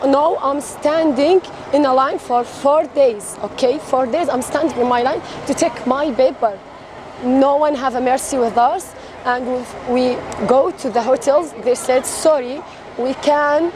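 A young woman from Syria, Arabic her first language, talks in halting, pleading English at a high pitch. She stands outdoors at a crowded port at night, recorded on a close camera mic. Steady noise runs behind her. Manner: halting non-native English, upset and pleading. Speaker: refugee interviewee. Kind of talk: street interview. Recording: noisy outdoor street recording.

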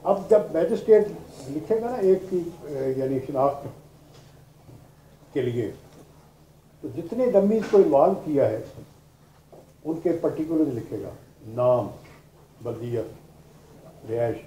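Older man, Pakistani accent, mellow high-pitched voice, step-by-step lecturer, repetitive, echoey room. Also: animated, measured pace, pauses often. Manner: explanatory, repetitive, step-by-step, mixing in English legal terms. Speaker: law lecturer, retired judge. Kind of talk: classroom lecture. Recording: roomy, dull classroom recording with background noise.

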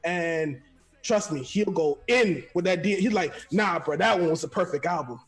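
A young man from Florida, a guest telling stories in an animated, rambling way over a headset from his living room. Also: sits high, moderate pace, soft background music. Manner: animated, laughs often, rambling storyteller. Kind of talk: casual video call chat.

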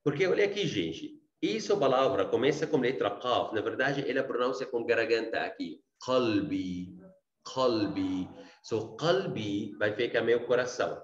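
This online beginners' language class is led by an Arabic-accented man who speaks at normal speed with few pauses and an even, middle pitch. He says things more than once and frequently checks on his students with "tá" and "gente." The audio comes across dull and a little roomy.

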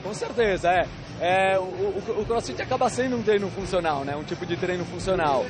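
A physical educator explains the contests at his stand in a plain, matter-of-fact way. His voice is high for a man, and the crowded hall murmurs behind him. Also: brisk. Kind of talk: interview answers. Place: busy indoor sports expo. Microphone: reporter's handheld mic. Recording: crowd noise at an expo.

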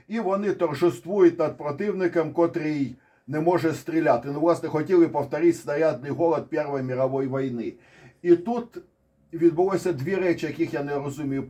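A military commentator with a Ukrainian accent speaks in a fairly high, darkish voice. He offers casual, ironic commentary on war charts, digressing and restarting often.

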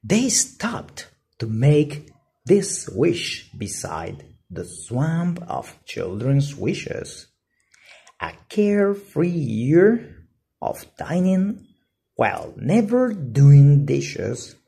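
A woman reading a children's story aloud with deliberate, expressive and dramatic phrasing. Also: deep voice, vocal fry. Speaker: storybook reader.

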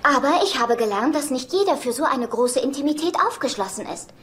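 An actress in a German sitcom dub playing a sweetly eccentric, earnest grown daughter. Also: female voice, high-pitched, animated, fairly quick, a bit bright. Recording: noisy TV soundtrack with ambience.

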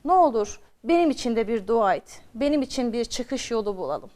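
A woman's voice: on the high side, animated, a little fast, a little mellow, lightly acted. A woman voicing a frightened, despairing male jeweler who laments and pleads in a children's story. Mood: pleading. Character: frightened, despairing jeweler, a family man begging for help.

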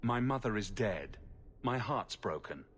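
An actor playing a composed, serious adventurer hero in a video game, speaking in a measured, blunt way. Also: male voice, on the low side, big pitch swings, a bit bright, husky, exaggerated voice. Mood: somber.

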